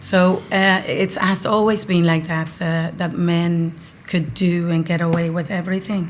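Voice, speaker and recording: A woman with a fairly low pitch and monotone, flat intonation at a fairly slow pace, over noticeable background noise. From Dominican Republic. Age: 40s. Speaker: podcast guest. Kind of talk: casual chat. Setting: studio. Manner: halting.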